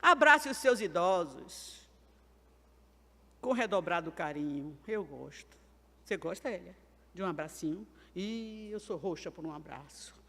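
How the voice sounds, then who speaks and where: An older woman preaching a sermon, telling homely stories in a chatty way and swinging between loud and quiet. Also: fairly low pitch, expressive, measured pace, long reverb tail. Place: church.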